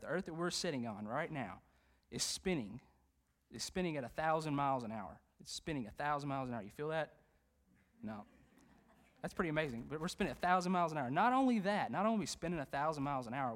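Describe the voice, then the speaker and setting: A youth pastor preaches in a church. He talks in an animated, conversational way, full of fillers and jokes. His voice sits slightly higher than most men's. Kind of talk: sermon. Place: church sanctuary.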